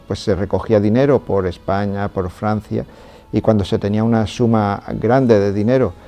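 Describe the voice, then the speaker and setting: Low, dark-voiced priest. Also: male voice. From Córdoba, Spain. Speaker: Trinitarian priest and charity president. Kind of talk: testimony interview.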